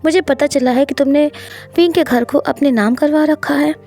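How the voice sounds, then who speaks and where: A woman's voice: high-pitched, normal speed, mellow, soft background music. Woman voicing a possessive, commanding young husband.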